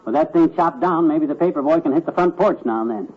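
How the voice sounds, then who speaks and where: An actor playing a blustering, grumbling middle-aged husband in a vintage radio comedy. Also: male voice, a little high, quick pace, darkish tone, husky. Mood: blustery. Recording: muffled vintage radio recording.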